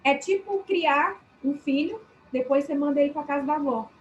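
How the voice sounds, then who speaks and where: High-voiced woman teacher, chatty. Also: normal speed, muffled recording, a little hiss or hum. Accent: Brazilian Portuguese. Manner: chatty, addresses class as "gente", acts out examples. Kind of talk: classroom lecture on customer service.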